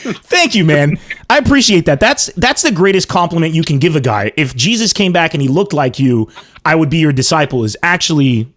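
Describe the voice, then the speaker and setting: A man's voice: on the high side, fairly quick. A man hosting a podcast over a remote call, heaping praise on his guest and laughing often. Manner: effusive, flattering, laughs a lot. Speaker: podcast host. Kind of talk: casual podcast banter.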